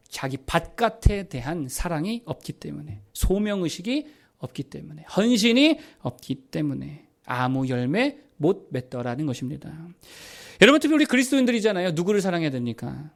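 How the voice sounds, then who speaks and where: Animated Korean preacher with rhetorical questions. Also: male voice, fairly high pitch, creaky. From South Korea. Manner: rhetorical questions answered himself, rising to emphatic peaks. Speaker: pastor. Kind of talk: sermon.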